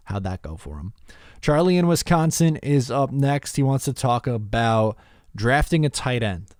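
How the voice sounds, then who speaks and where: A man's voice: mid-range voice, animated, moderate pace, a little mellow, no echo, studio quality. A man hosting a podcast, talking sports casually and giving blunt, opinionated answers. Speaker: podcast host answering voicemails.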